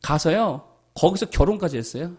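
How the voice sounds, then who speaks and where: Man, pastor, sermon, high voice, very animated intonation, emphatic, rhetorical questions. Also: moderate pace, husky.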